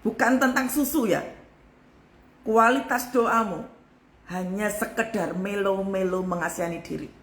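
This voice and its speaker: A woman pastor giving a live devotional sermon with a forceful, emphatic delivery. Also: mid-range voice, a little slow, echoey room.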